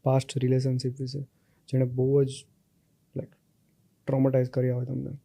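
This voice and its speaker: A man's voice: mid-range voice, monotone, a little fast, vocal fry, warm tone. A man hosting a podcast, asking questions and giving short attentive replies. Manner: attentive, brief encouraging replies. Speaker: podcast host. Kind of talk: interviewing with short backchannels.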